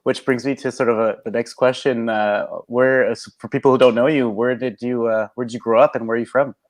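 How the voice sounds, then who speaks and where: A man's voice: mid-range voice, steady tone, a little fast. A man hosting an interview, asking friendly questions with many restarts and fillers. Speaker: interview host. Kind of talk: casual interview chat.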